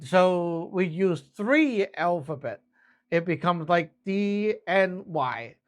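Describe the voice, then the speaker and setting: A man's voice: high-pitched, lively intonation, takes it slowly. A man teaching beginners in an informal, step-by-step way, often checking in with short tag questions. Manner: informal, frequent tag questions like "right?" and "okay?". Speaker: instructor, channel host. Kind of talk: casual beginner tutorial, explaining step by step.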